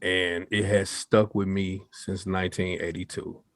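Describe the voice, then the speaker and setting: A man in his forties co-hosts a podcast in loose chat. His voice is fairly low with a dry, close sound, and he repeats short phrases with enthusiasm. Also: flat delivery, a little slow, no echo. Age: 40s. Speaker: podcast co-host.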